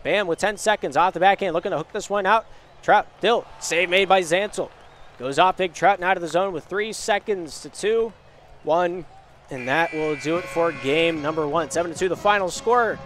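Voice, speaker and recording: A young man doing live esports play-by-play, hoarse from a week of illness, his voice sometimes cracking, rising with energy on shots and goals. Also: high-pitched, normal speed, a bit bright, a little hiss or hum.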